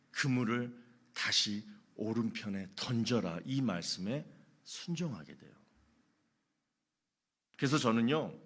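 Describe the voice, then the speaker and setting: A man's voice: medium pitch, sharp tone. A middle-aged male pastor preaching a sermon, asking rhetorical questions and telling humorous anecdotes.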